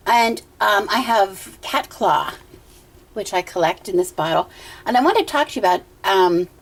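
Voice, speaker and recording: A middle-aged woman with a hoarse voice from a cough, talking at home in a casual show-and-tell vlog, gentle and meandering with many ums and pauses. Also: medium pitch, animated, low-quality recording. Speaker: pagan altar vlogger. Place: indoor room at home with a water feature. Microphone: camera she handles herself.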